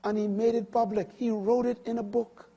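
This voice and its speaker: Emphatic older male preacher, husky voice. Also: little pitch movement, moderate pace. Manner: dramatic swings from loud emphatic peaks to quiet low asides. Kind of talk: sermon.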